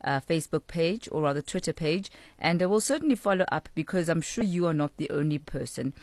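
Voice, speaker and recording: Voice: mid-range voice, animated, fairly quick, darkish tone, no room sound. Conversational radio talk-show host. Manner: conversational, follows up with questions. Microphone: studio microphone.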